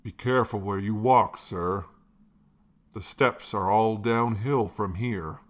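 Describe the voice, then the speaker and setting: A man voicing a smug, menacing stranger in black for a fantasy story, speaking with quiet, deliberate threat. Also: lowish voice, voice pushed down. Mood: mocking warning.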